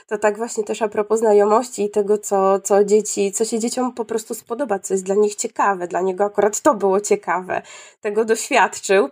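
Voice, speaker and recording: A preschool teacher speaking in a loose, conversational way, pausing often with fillers and restarting her sentences. Her voice sits a little high for a woman. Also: husky. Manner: hesitant, many fillers and restarts. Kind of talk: casual discussion.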